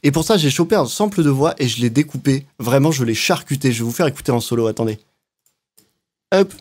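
A man giving a relaxed, slangy walkthrough of how he built a beat, now and then mouthing sounds and rhythms. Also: mid-range voice, fairly quick, breathy edge. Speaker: music producer. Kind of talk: casual beatmaking walkthrough. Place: home studio.

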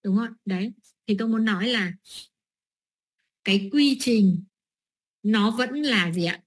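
A woman's voice: mid-range voice, measured pace. A middle-aged woman training teachers, explaining lesson steps with many fillers and "right?" checks.

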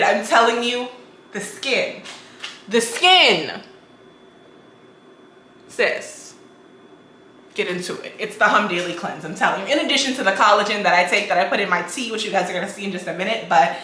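Bright slightly hoarse young woman, chatty lifestyle vlogger, roomy kitchen echo, faint hiss. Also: mid-range voice, moderate pace, long pauses. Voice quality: raspy. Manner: chatty, addresses viewers as guys and y'all. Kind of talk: casual chat to camera. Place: home kitchen, indoors. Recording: echoey kitchen with faint noise.

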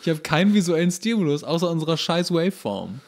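A man's voice: fairly high pitch, big pitch swings, fast talker. A man co-hosting a podcast in casual banter, putting in dry, joking remarks. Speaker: podcast co-host.

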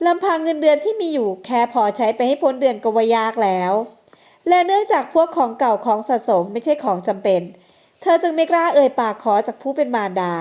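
A woman narrating an audio novel in a measured, expressive reading style. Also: high-pitched. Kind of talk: scripted narration.

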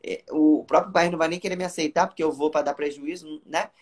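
A man's voice: fairly high pitch, steady tone, fast. A young man from Rio de Janeiro with a Carioca accent, giving an earnest personal testimony in an interview and acting out the dialogue as he tells it. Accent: Carioca Brazilian Portuguese. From Rio de Janeiro, Brazil. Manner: earnest storytelling, reenacting dialogue.

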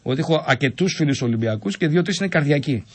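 A man speaking as a radio sports pundit, measured and wry, analyzing football fans. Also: a little high, expressive, husky.

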